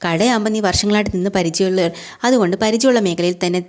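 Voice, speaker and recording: A woman voicing a middle-aged family man who persuades and reassures in a quick, everyday voice. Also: medium pitch, darkish tone, close to an everyday voice. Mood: reassuring.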